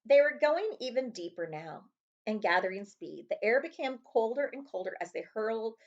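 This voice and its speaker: A woman's voice: fairly high pitch, lively intonation, normal speed, dull audio. A woman librarian narrating a children's chapter book as a read-aloud.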